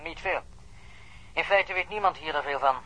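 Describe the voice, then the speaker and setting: A man's voice: on the high side, moderate pace, bright, forceful tone, rough recording. An actor playing a self-assured, businesslike male detective making a telephone report in a radio drama. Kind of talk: Dutch radio drama acting.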